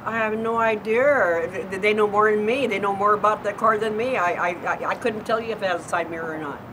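Older woman, 70s, chatty and sincere, backyard recording with steady noise. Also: medium pitch, fast. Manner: earnest, chatty, repeats words when thinking. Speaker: neighbor answering viewer questions. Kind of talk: casual outdoor chat. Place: backyard lawn by a wall, outdoors. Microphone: far camera. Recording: outdoor noise, distant camera mic.

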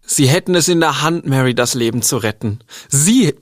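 A man's voice: mid-range voice, lively intonation, moderate pace, natural voice. A man voice-acting in a German radio drama studio session. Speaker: voice actor.

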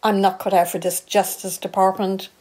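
A woman's voice: medium pitch, little pitch movement, moderate pace, warm tone, close to an everyday voice. A woman voicing a prim, self-important parole officer in a comedy radio play.

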